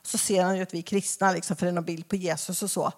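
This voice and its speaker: A woman's voice: lowish voice, level tone, darkish tone. A woman giving a Christian teaching talk, acting out conversations as she tells them. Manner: acts out dialogues with shifting voices. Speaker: Christian speaker.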